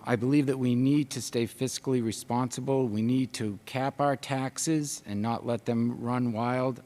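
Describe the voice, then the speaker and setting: A middle-aged man giving an earnest, deliberate closing statement as a candidate at a public forum. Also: mid-range voice, a little mellow. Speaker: candidate for town board. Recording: echoey hall with long reverb.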